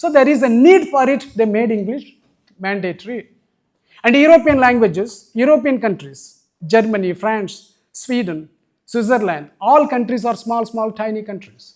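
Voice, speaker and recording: Delivered at a moderate pace in a Tamil accent, the speech has lively intonation. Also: man, extremely high pitch for a man. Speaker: professor. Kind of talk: speech at a conference. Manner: animated.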